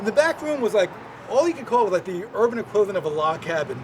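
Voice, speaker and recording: Amid noticeable background noise, a man with a New York accent talks at a very fast pace with lively intonation. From New York City, Queens. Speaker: playwright and performer. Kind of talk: oral history tour talk. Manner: halting.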